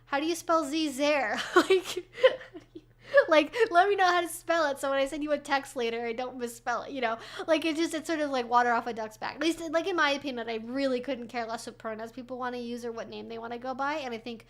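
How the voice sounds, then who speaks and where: Woman in her twenties or thirties, higher voice, casual rambling streamer answering chat questions. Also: a little fast. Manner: rambling, chatty, many fillers and restarts. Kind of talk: casual livestream Q&A.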